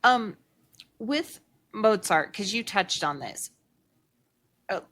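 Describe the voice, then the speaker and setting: A woman's voice: medium pitch, animated, slow pace, fairly bright tone. A woman hosting a casual interview, asking the questions and chatting with the guest. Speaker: interviewer, show host.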